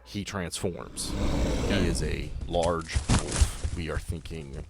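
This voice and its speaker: A man's voice: a bass voice, takes it slowly, vocal fry, heavy background noise. A man narrating as game master in a tabletop game, casual and profane, drifting into nerdy asides.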